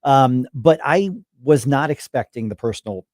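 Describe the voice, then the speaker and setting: A man in his fifties hosting a morning radio talk show, chatting in a loose, halting way and circling back on his phrases. His voice sits at a middle pitch. He is recorded close and dry on a studio mic. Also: darkish tone, no room sound. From United States. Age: 50s. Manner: chatty, halting, with restarts and laughs. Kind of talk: casual radio interview. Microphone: studio microphone.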